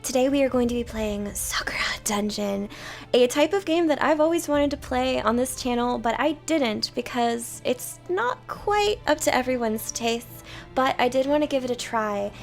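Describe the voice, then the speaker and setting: A woman's voice: high voice, expressive, normal speed, vocal fry, faint music behind. A woman hosting a let's play, introducing and narrating a story game. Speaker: gaming channel host.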